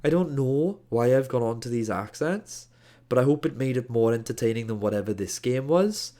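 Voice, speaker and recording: A man's voice: mid-range voice, animated, moderate pace, warm tone. Man, Welsh accent with a Scottish edge, mid-range voice; exasperated, jokey esports caster reviewing a match. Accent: Welsh, with a hint of Scottish. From Wales. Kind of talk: casual game review commentary.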